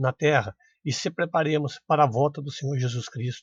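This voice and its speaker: A man's somewhat breathy, fairly high-pitched voice at a moderate pace, dry and close with no echo. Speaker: bible prophecy video maker. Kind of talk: religious commentary video.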